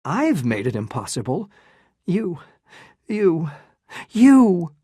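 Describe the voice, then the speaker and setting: A woman's voice: deep voice, lively intonation, measured pace, mellow, slightly rough, no echo, studio quality, pitched above the performer's own voice, exaggerated voice. A reader voicing an anguished, restrained young woman in a dramatized story reading, with emotional, pleading delivery. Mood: distraught.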